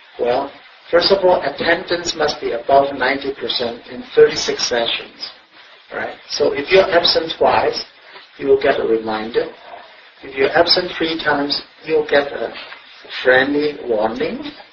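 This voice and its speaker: Amid noticeable background noise and audible room echo, a man with a fairly high pitch and ordinary pitch variation speaks at a fairly slow pace with long, frequent pauses. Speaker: Buddhist teacher. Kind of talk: lecture. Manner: long pauses.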